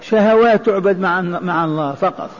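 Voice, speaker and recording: Male preacher giving an emphatic exegesis sermon, high voice, muffled lo-fi tape. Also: normal speed. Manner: emphatic, repetitive, rhetorical questions. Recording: dull lo-fi recording with faint noise.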